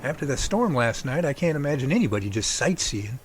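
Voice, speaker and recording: A man's voice: medium pitch, sing-song, brisk, heavy background noise, close to an everyday voice. A man acting as a chatty, good-humoured grown son in an amateur audio drama, with folksy delivery. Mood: chatty, wry.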